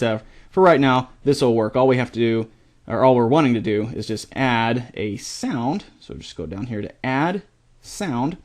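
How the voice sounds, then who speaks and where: A middle-aged man hosting a screen-recorded software tutorial, talking casually with lots of fillers and restarts. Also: medium pitch.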